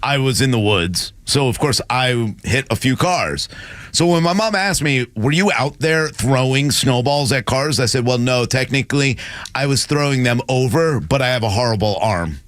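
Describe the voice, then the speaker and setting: Rambling self-mocking radio storyteller. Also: male voice, medium pitch, moderate pace, fairly bright tone, dry recording. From New York. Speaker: radio co-host. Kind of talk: casual storytelling on morning radio. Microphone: studio microphone.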